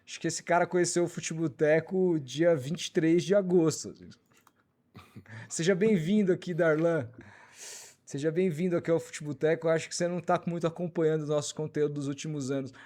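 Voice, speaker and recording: A man with a high voice hosts a live football talk stream. He reads out viewer comments and answers critics in a blunt, informal way, with a quick delivery. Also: steady tone, dark tone. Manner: blunt, fast-talking, informal. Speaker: channel host reading superchats.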